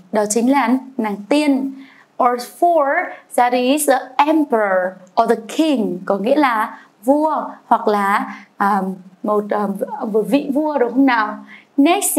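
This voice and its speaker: A young woman with a Vietnamese accent teaching English vocabulary, saying each word twice and then explaining it. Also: fairly high pitch. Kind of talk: bilingual vocabulary lesson.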